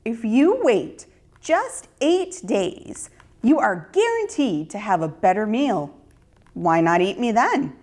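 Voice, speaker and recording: A woman's voice: fairly high pitch, very animated, slow, a little mellow, full character voice. A woman voicing a brave, clever little girl in a children's story, speaking politely and persuasively. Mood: earnest, persuasive.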